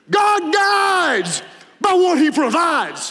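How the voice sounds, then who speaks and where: An extremely high-pitched, put-on character voice delivers its lines in a dramatic tone. The pace is fairly slow. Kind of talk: pulpit delivery. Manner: dramatic, preacherly.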